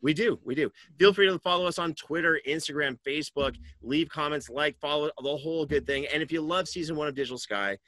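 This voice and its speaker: A man's voice: on the high side, brisk, few pauses, fairly bright tone, no room sound. A middle-aged man hosting a podcast over a video call, putting questions to a guest and addressing the audience. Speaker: podcast host. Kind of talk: interviewing and presenting to an audience.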